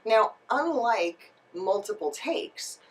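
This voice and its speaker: A woman's voice: fairly high pitch, expressive, slow, recorded from a distance. A woman giving instructional tips to camera as a voice-over coach and host, emphatic and speaking directly to her viewers. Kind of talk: instructional video talk to camera.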